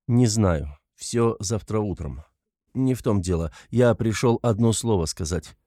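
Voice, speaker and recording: A man's voice: on the low side, animated, unhurried, mellow, no echo, studio quality. A man reading an audiobook, voicing a gloomy, brooding young man who speaks in an abrupt, sullen way.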